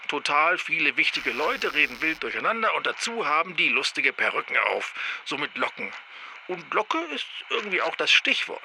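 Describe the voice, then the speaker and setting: An actor playing a hapless time-travelling agent who rambles hesitantly in an audio drama voicemail. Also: male voice, fairly high pitch, sharp tone, a little hiss or hum, heavily acted, low-quality recording. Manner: hesitant, rambling, thinking aloud.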